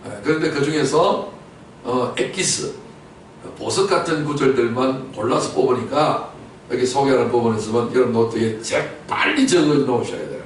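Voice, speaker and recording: A man's voice: medium pitch, normal speed. A man preaching a Sunday sermon as pastor, questioning his congregation and repeating key words for emphasis. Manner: rhetorical repetition and sudden loud outbursts. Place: church sanctuary. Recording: echoey church from a distance, faint noise.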